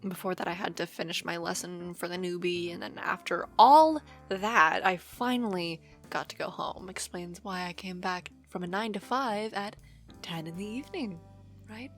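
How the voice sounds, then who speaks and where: A woman playing an affectionate, teasing working wife in an ASMR audio roleplay, chatty and expressive. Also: fairly low pitch, moderate pace, soft background music. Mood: exasperated venting.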